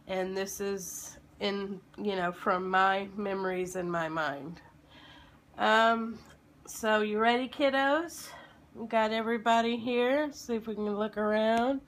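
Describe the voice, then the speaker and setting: A woman in her thirties with a slightly froggy, under-the-weather voice, telling a personal story informally and haltingly, as if to children. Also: medium pitch. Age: 30s. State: sick with a lingering illness.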